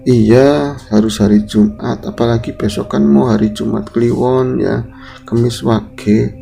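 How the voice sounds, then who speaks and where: A man's voice: medium pitch, steady tone, unhurried, vocal fry, dark tone, soft background music. A man voicing a polite, composed young woman.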